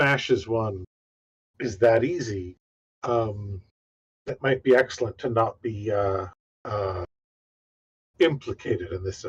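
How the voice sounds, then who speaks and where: Putting on a character voice, a man speaks raspily at a medium pitch and fairly slow pace, with long, frequent pauses. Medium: actual play. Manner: halting, hedging, polite, many pauses.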